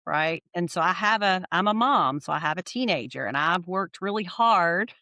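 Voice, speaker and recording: A middle-aged woman answering interview questions in a thoughtful, warm way, often checking in with "right?". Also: on the low side, animated, moderate pace, no echo, clean studio sound. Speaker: podcast guest.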